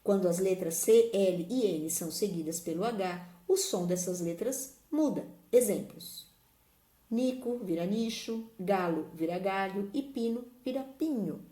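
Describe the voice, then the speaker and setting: A woman's voice: mid-range voice, animated, measured pace, mellow, echoey room. A woman teacher with a Brazilian Portuguese accent, patiently going through spelling rules step by step in a recorded remote lesson.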